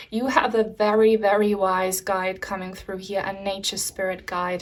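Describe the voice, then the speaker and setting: In a German accent, a woman of medium pitch speaks at a moderate pace in a monotone, flat intonation. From Germany. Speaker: tarot reader. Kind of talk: pick-a-card tarot reading. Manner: calm, guiding.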